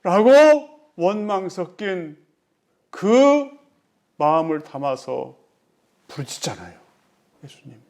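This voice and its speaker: A middle-aged male pastor with a fairly high voice delivers a sermon, pushing his points through rhetorical questions to the congregation. Very animated yet slow, with long pauses, he swings from raised, emphatic lines to sudden hushed, low phrases.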